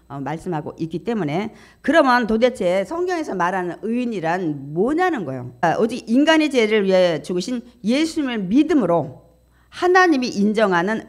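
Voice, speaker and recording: A woman pastor delivering a sermon in a church, animated and emphatic, often asking the congregation questions. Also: on the low side. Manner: animated preaching with frequent rising emphasis and audience questions. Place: church sanctuary.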